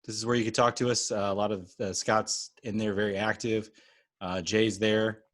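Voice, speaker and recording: A man co-hosting a podcast who keeps things casual with short, wry jokes. His voice sits on the low side. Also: little pitch movement, normal speed, a bit bright. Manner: joking, brief quips. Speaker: podcast co-host. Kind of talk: casual podcast chat, plugs.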